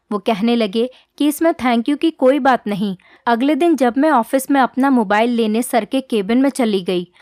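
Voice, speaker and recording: Female narrator, earnest scripted storytelling, higher register, dry close-mic sound. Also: darkish tone, dry recording. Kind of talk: first-person scripted storytelling.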